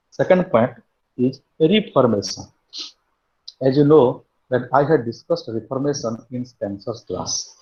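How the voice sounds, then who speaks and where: A man's voice: mid-range voice, warm tone, muffled recording. A man giving an online literature lecture as a university lecturer, explaining point by point with frequent restarts. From India. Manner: explaining step by step, with many restarts.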